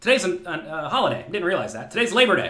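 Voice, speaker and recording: Lively intonation and a bright, sharp tone come through with audible room echo. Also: man. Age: young. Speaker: poker pro and coach hosting a live stream; poker coach hosting a livestream. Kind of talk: casual live-stream Q&A. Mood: upbeat, friendly. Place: home room.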